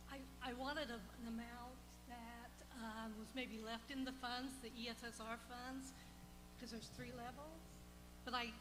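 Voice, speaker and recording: Woman pressing the board with questions, higher voice, echoey hall with music behind. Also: flat delivery, a little slow. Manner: pointed, insistent questioning. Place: public meeting room.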